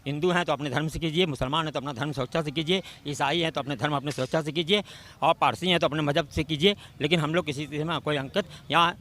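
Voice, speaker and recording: A man's voice: on the high side, fast, a bit bright. A man in a street interview, earnestly laying out political talking points as if giving a speech. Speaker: party supporter interviewed.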